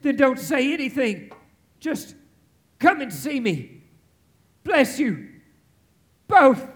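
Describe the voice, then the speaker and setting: An actor playing a reformed old miser, hearty and exclamatory, in a theatrical radio play recorded live on stage. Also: male voice, very high voice, sing-song, slow pace, heavily acted. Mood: jovial, bustling. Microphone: shared stage microphone.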